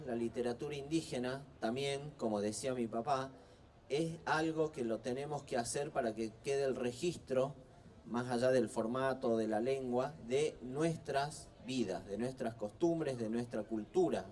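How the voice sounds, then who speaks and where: A man's voice: mid-range voice, a little mellow, a little hiss or hum. Earnest man, heard from afar. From Humahuaca, Jujuy, northwest Argentina. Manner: earnest, slow, halting with many fillers and restarts. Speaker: writer and guest speaker. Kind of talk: public talk at a book fair. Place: outdoor plaza at a book fair. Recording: distant outdoor recording.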